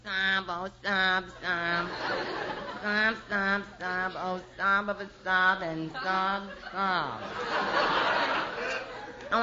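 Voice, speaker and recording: A man playing a melodramatic lovesick young woman in a radio comedy sketch, sobbing and overwrought in hammy soap-opera style. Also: high-pitched. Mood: mock sobbing. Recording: muffled 1950s radio transcription with loud hiss.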